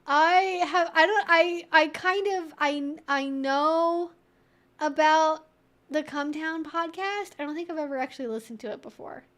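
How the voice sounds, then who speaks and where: A woman's voice: high-pitched, measured pace, a bit bright. A woman hosting a livestream, talking casually and wryly as she reacts aloud to chat messages. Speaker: livestream host answering viewer chat.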